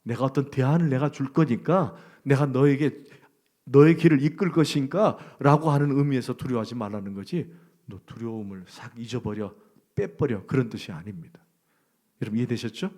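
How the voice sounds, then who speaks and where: Male pastor, middle-aged, mid-pitched; conversational sermon, loud stresses and soft asides. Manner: conversational preaching, quizzes the congregation with questions; swings between loud emphasis and hushed near-whisper.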